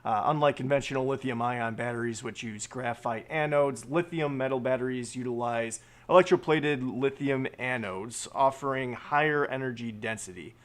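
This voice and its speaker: A man's voice: medium pitch, normal speed, few pauses. A man hosting a live stream, reading out and discussing news articles with many fillers and restarts.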